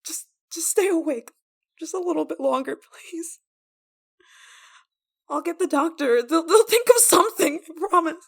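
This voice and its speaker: A woman acting an obsessive, guilt-ridden lover in an ASMR roleplay monologue, with halting, pleading, stammering delivery. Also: extremely high pitch, animated, creaky, full character voice. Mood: pleading, grieving.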